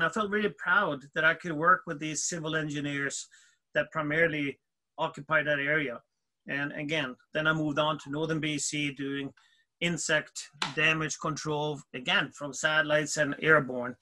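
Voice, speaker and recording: A man's voice: fairly high pitch, steady tone, normal speed, bright, forceful tone. A man from Sweden, a forestry professor, telling about his career in a casual panel talk.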